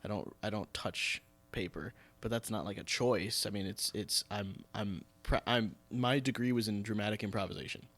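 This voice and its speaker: A young man hosting a podcast interview, chatting informally and halting and restarting as he goes. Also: lowish voice, steady tone, fairly bright tone, soft background music. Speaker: podcast host. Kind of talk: casual interview chat.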